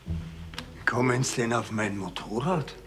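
A man's voice: medium pitch, a little slow, noisy background, natural voice. A man acting as a good-natured, reluctant older husband in a naturalistic TV drama, hesitant and conversational.

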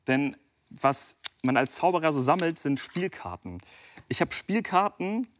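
A man's voice: fairly high pitch, lively intonation, unhurried. A man who works as a magician, chatting casually on a TV show and explaining a card trick step by step with self-deprecating humor. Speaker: magician guest.

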